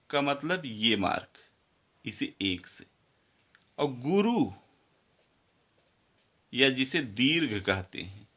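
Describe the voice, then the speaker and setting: A man's voice: on the high side, sharp tone. A male teacher giving a grammar lesson, counting syllables aloud and speaking directly to his students.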